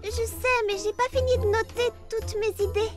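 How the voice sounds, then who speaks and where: A woman voicing a cheerful, kind, organised young girl heroine in a children's cartoon, expressive and earnest. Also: very high voice, normal speed, loud music behind the voice. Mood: hesitant. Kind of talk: animated children's cartoon dub.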